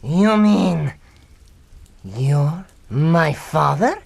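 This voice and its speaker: An actor playing an earnest, incredulous younger mad scientist in a comic radio drama, hesitant and deliberate in delivery. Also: male voice, fairly high pitch, lively intonation, gravelly, darkish tone, slightly rough, no echo, exaggerated voice. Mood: shocked disbelief.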